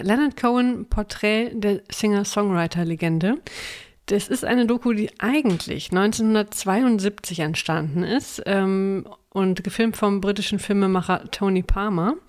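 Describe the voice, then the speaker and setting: A woman co-hosting a casual talk show, recapping a documentary in a chatty way with many hesitations and easy laughter. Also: mid-range voice. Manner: chatty, many filler pauses, laughs easily. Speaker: podcast co-host. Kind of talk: casual chat about a documentary.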